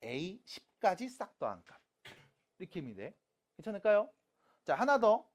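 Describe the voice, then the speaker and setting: A math teacher lecturing high school students in a playful way, asking questions and answering them, with silly sound effects while writing. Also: sing-song, normal speed, a little mellow, highs cut off. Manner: talks students through writing on a board.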